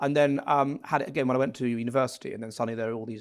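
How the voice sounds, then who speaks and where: The pace here is very fast. Intonation stays fairly even. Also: man. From southwest London, Wimbledon. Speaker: academic author, professor. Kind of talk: casual interview chat. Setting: outdoors with a view, southern Spain. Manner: halting, many repeated words.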